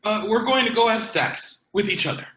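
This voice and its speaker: Man acting brisk comedy clerk, scheming, blunt, animated, higher-pitched, echoey room. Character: brisk, scheming video store clerk with military talk. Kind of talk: table read of a comedy script.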